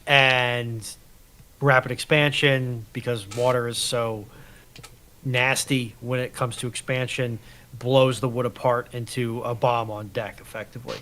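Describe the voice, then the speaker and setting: A man giving unscripted technical explanations in a measured, halting way, as a panellist on a live stream. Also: mid-range voice, little pitch movement, pushed and bright.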